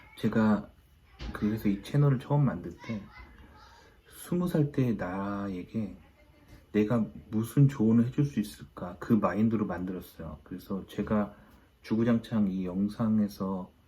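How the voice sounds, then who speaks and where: Using a dark, mellow tone, a man speaks at a very slow pace with long, frequent pauses and ordinary pitch variation. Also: fairly low pitch for a man. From South Korea. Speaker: YouTuber, PhD engineer. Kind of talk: vlog monologue.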